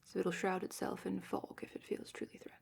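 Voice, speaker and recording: A woman playing a gentle, knowledgeable dragon keeper in a fantasy ASMR roleplay, speaking in a hushed, breathy, unhurried way that often drops into a whisper. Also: mid-range voice, completely flat delivery, heavily acted. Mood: hushed, informative. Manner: hushed, unhurried, careful explaining.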